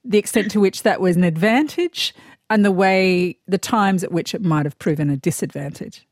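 A woman interviewer asking long, measured questions. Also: mid-range voice, no room sound, studio quality.

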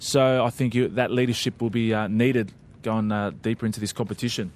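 A man co-hosting a casual sports chat, relaxed and full of fillers. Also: on the low side, fairly quick. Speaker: co-host.

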